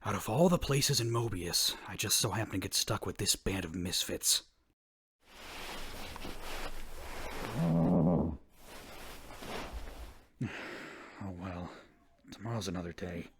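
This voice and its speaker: A man voicing an irritable, brooding hedgehog loner, curt and cold, in an animated drama. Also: low-pitched, moderate pace, husky, exaggerated voice. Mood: weary, brooding. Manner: curt, grumbling, heavy sighs.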